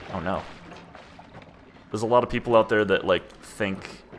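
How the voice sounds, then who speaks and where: A man talks at a moderate pace with an American accent amid noticeable background noise. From US Midwest, Indiana. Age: 20s. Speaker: game streamer. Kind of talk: casual gameplay commentary. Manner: animated.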